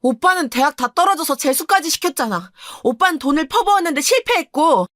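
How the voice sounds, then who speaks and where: Brief: aggrieved teen girl, high bright voice, dry close mic, played by a woman. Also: big pitch swings, fairly quick, no room sound. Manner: pleading, aggrieved complaints. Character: resentful, clever teenage girl. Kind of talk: radio story drama.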